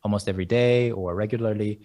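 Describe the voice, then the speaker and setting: A man with a fairly low voice, speaking English as an in a relaxed interview. He explains things patiently and often chuckles as he makes a point. His tone is conversational and friendly rather than formal. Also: fast talker. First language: Korean. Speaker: guest, language educator.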